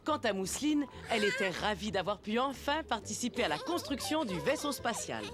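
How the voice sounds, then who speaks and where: A woman narrating a children's cartoon story as a kindly, expressive storyteller. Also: a little high, a little fast. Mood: storytelling. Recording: music behind the voice.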